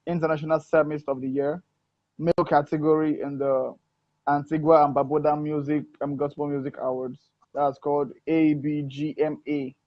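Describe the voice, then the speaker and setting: A man from Africa, a gospel singer, talking in a casual interview with an earnest, preacherly manner, often pausing on "um" and "you know". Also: on the high side, level tone, no echo. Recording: muffled dull sound, dry.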